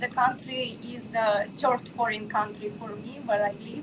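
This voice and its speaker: A woman speaks at a fairly slow pace with ordinary pitch variation. There is noticeable background noise. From Ukraine. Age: 20s. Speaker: exchange student. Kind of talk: interview. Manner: halting, many fillers. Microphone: bad connection.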